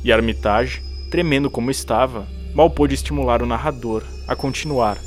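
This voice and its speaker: A man narrating a literary horror audiobook in measured, formal diction. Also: medium pitch, soft background music.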